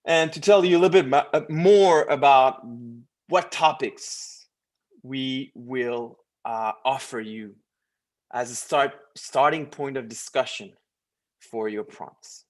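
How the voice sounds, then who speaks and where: A man's voice: medium pitch, takes it slowly. A man working as a language coach, presenting a course in a promotional, partly read-out style with short, emphatic phrases.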